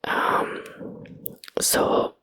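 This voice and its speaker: A woman with a Spanish accent and native Spanish rambles casually in a breathy ASMR whisper, hesitantly searching for English words, close to the microphone. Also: extremely slow, a bit bright, no room sound. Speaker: ASMR video host.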